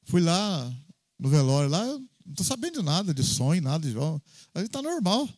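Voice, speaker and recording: A man with a Brazilian Portuguese accent preaching an informal sermon in a church, telling personal stories with lively frequent tag questions. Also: fairly high pitch, a little fast, no room sound. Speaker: pastor.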